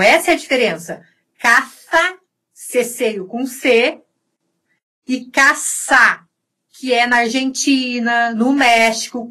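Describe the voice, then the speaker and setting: Brazilian Portuguese-accented female lecturer, very slow and deliberate, repeats sounds and checks in often. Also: fairly high pitch, husky, poor audio. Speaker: university Spanish teacher. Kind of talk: recorded lecture on Spanish pronunciation.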